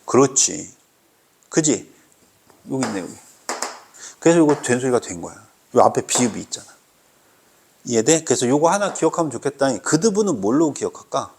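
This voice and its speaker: A male teacher lecturing a room of students at a medium pitch. He fires quick questions at the class and ribs them with playful mock-scolding. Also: expressive, gravelly, a little mellow, a little hiss or hum. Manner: teasing, mock-scolding, quizzing students constantly. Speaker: Korean language teacher.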